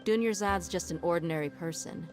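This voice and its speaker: A woman's voice: fairly low pitch, brisk, natural voice. A woman playing a shrewd, cool-headed young desert mercenary in a video game, speaking in a self-assured, matter-of-fact way. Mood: frank, thoughtful. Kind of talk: dramatic video game voice acting. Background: music.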